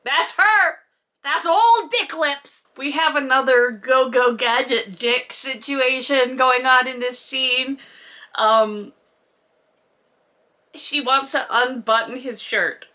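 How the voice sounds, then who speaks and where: A woman's voice: high-pitched, takes it slowly, sharp tone. A woman hosting a comedic read-along, mocking a book with sarcastic, exaggerated emphasis and plenty of swearing. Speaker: host reading a book aloud and mocking it.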